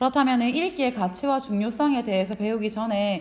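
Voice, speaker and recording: Fairly quick and somewhat breathy, this woman's voice sits fairly high in pitch, with ordinary pitch variation. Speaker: middle school Korean teacher. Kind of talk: online lecture.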